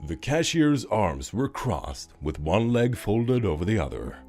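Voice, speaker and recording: Deep-voiced, expressive male narrator. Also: unhurried, faint music behind. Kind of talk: scripted story narration.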